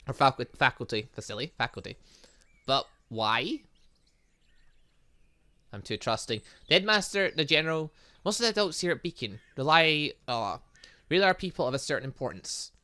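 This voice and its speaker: A man's voice: medium pitch, sing-song, moderate pace, long pauses, pushed and bright, dry recording. A man reading game dialogue aloud in a let's play, adding his own commentary and often stumbling over words and correcting himself. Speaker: gaming YouTuber reading a visual novel aloud.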